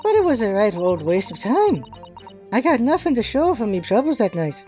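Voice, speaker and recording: Man doing a woman's voice, young street urchin girl, game character, animated intonation, cheeky. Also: high voice, moderate pace, faint music behind. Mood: cheeky, indignant. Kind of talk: video game voice-through.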